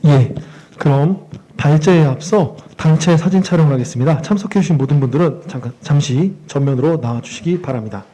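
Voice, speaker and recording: A man emceeing a seminar with a somewhat high yet mellow voice. He gives polite, clear instructions to the audience in a hall. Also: brisk. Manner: polite, directive. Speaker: master of ceremonies. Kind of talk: event announcing.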